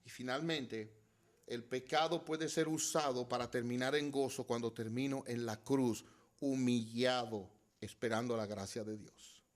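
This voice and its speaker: A middle-aged pastor with a mid-range voice preaches a sermon, calling the congregation brothers. He swings between loud exhortation and quiet storytelling.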